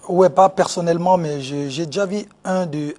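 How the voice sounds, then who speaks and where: A man's voice: a little high, brisk, a little mellow. A man who is a studio guest singer, answering casually and hesitantly with many repeated words.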